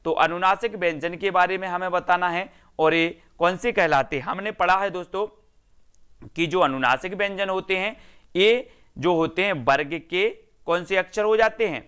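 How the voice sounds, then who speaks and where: A man's voice: fairly high pitch, pushed and bright, clear, resonant tone. A man teaching an online exam-prep Hindi grammar class, calling out students by name and answering his own questions. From India.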